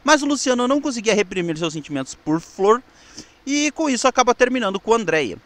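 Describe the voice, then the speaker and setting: A Brazilian man with a notably high voice narrates as a channel presenter. His delivery is explanatory and partly scripted. He stumbles over a word now and then. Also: big pitch swings, fast, a bit bright. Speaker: presenter of a weekly history channel. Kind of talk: semi-scripted narration of TV history.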